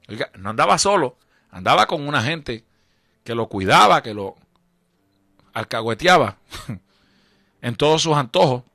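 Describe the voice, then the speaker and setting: A Puerto Rican evangelist delivers a radio sermon in a forceful, high-pitched voice. He drives his points home with emphatic repetition and frequent chuckles. The sound is close and dry, with no room echo. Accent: Puerto Rican Spanish. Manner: emphatic, repetitive preaching cadence, chuckles often. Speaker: evangelist preacher. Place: radio studio.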